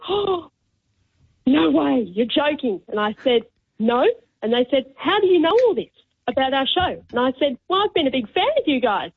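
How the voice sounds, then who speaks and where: Aussie lady caller on tinny phone, high pitched and husky, casual reminiscing. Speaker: caller to a radio show. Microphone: telephone. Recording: thin narrow phone line.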